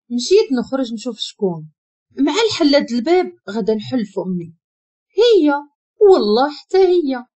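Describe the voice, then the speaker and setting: Moroccan woman storyteller, high and very animated, dramatic first-person narration.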